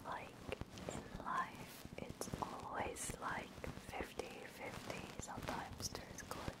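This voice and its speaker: Female ASMR streamer: breathy close-mic whisper, unhurried and halting, casual chat. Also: rough recording. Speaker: VTuber streamer. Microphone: close binaural ASMR microphone.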